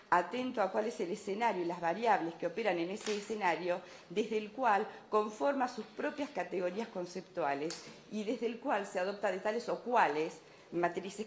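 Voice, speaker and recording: A woman speaking as an academic at a conference, addressing an audience emphatically, with repetition and rhetorical questions. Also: medium pitch. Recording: echoey room, light background noise.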